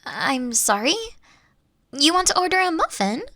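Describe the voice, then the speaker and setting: A woman playing a caring, affectionate boss in an intimate audio roleplay, coaxing and gently teasing, at times dropping to a near-whisper. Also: sits high, expressive, a little slow, no room sound, studio quality, full character voice. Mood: fond, patiently exasperated. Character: caring, doting older female boss courting her sweet employee.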